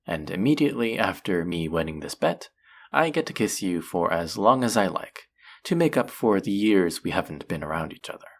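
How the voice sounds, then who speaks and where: A voice actor playing a flirty, possessive demon casino dealer in an intimate audio roleplay, teasing and taunting in a low, husky, breathy voice. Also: expressive. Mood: flirty, eager. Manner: teasing, taunting, slow and drawn-out.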